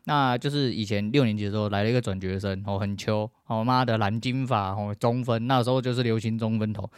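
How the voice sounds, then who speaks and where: A man's voice: on the low side, fairly even intonation, brisk, clean tone, no room sound, studio quality. A middle-aged man with a Taiwanese Mandarin accent, hosting a podcast in a blunt, profane, emphatic casual rant. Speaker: podcast host.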